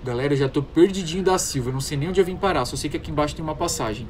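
Brazilian guy playing a horror game, kinda high voice, panicky and jumpy, noisy background. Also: very fast. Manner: panicky, easily startled exclamations. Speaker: gamer. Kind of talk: horror game playthrough commentary.

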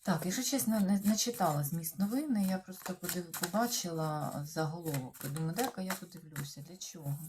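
A woman's voice: fairly low pitch, fairly quick, few pauses, noisy background. A woman with a Ukrainian accent doing a casual tarot reading on the news, musing aloud to the cards and her viewers and trailing off mid-thought. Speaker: tarot reader. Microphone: clip-on or desk microphone.

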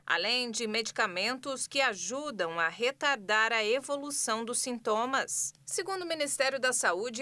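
A woman reading a scripted news report as a voice-over, in a clear and steady way. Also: fairly high pitch, dry recording.

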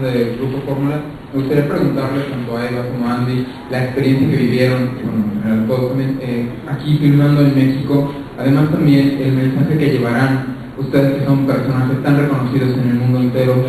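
Male reporter, monotone and mellow, distant in an echoey hall. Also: medium pitch, brisk, slight background noise. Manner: formal, long-winded question. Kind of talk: asking a press question. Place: large press conference hall.

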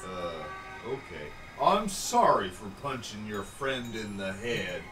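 A sheepish, clumsy bruiser, as a man plays him, slow and bright-toned, with faint music behind him. The voice echoes and sits away from the mic. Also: on the low side, big pitch swings, distant mic, exaggerated voice.

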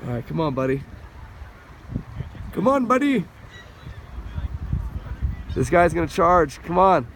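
A man filming a casual vlog from a car and outdoors, talking excitedly with lots of "dude" and "like". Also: on the high side, slow pace, pauses often, slight background noise. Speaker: vlogger. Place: in a car and outdoors at a ski resort.

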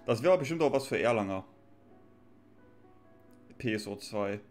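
A German man in his thirties with a lowish voice, casually commenting on a live game stream. He is close to the mic, with some music behind him. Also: lively intonation, moderate pace, a little mellow. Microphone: close desk microphone.

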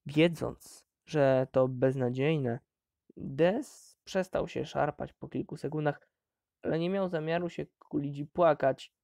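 A man narrating an audiobook in a measured, deliberate way. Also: fairly high pitch, vocal fry, a little mellow, dry recording.

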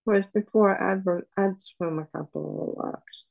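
An older woman on a video call at home, speaking softly and haltingly with many pauses as she talks about her life as a patient. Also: mid-range voice, creaky, narrow, tinny audio. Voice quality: soft voice. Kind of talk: personal account in an interview. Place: room at home. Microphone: video call webcam.

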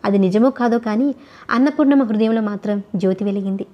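A woman narrating a novel as an audiobook reader, in a steady, even storytelling manner. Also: mid-range voice, fast talker, muffled recording.

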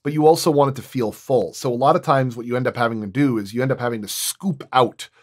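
A man's voice: medium pitch, fast. Man explaining his craft in detail. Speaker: sound designer, guest. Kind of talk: casual roundtable discussion.

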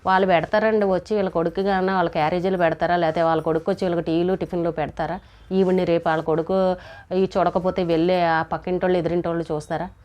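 A woman's voice: fairly low pitch, flat delivery, quick pace, darkish tone. A middle-aged woman giving advice in a motivational talk, scolding and acting out what relatives say. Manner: scolding, acts out quoted relatives. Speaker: motivational speaker.

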